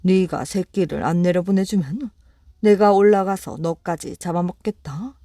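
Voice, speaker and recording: A woman's voice: on the low side, normal speed, warm tone, no room sound, studio quality, lightly acted. A bullying tiger, as a woman reads him. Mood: threatening. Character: menacing greedy male tiger, bullying. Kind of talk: bedtime storybook reading.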